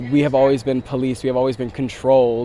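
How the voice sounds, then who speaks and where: Speaking at a very fast pace in a flat monotone, a man with an American accent and a medium pitch comes through over noticeable background noise. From Morgantown, West Virginia. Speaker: protester. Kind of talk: street interview.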